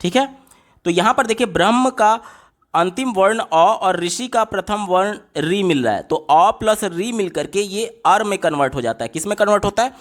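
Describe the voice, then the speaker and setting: Male exam tutor, raised pitch, voice-over walkthrough that repeats each answer. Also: lively intonation, normal speed, fairly bright tone. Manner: asks and answers his own questions, repeats answers.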